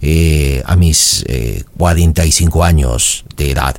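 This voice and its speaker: A man's voice: rumbling low, creaky, heavily acted. A man playing a flowery, courtly French suitor in his forties on a prank call. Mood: romantic. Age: 40s. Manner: flowery, courtly, slow romantic flattery. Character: smooth-talking French suitor man, middle-aged.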